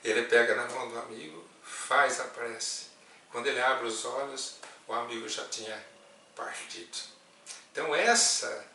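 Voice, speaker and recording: A man telling a story as a Spiritist speaker, earnest and gentle, slowing down on key words. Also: mid-range voice, a little hiss or hum. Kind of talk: reflective storytelling talk. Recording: echoey room, voice from a distance.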